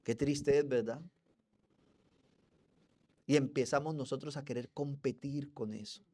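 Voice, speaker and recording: A male Colombian preacher delivers an expository sermon in a Colombian accent. He speaks with fervor and turns often to the congregation as brothers. His voice sits at a middling pitch for a man. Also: steady tone, measured pace, dark tone. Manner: fervent, addresses the congregation as brothers. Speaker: pastor.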